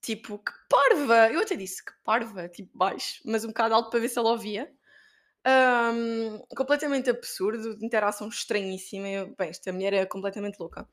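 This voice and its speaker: A young woman with a European Portuguese accent chatting on her own podcast, rattling off stories from her week with plenty of fillers and asides. Her voice sits somewhat high, and she talks with an easy, lively informality. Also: brisk. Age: young adult. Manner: chatty, animated storytelling, lots of fillers. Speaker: podcast host and student. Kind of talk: casual solo podcast chat.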